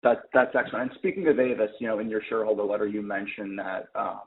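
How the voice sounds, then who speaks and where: A man's voice: fairly low pitch, fairly even intonation, fast talker, gravelly, a little hiss or hum. A man asking polite questions as a financial analyst on an earnings call. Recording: tinny phone-line caller.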